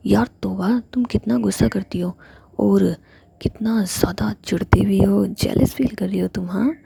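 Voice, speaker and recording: A woman's voice: medium pitch, normal speed, gravelly, mellow, slight background noise. A woman voicing a young woman who apologizes to and teases her upset friend, in a coaxing whisper. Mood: teasing.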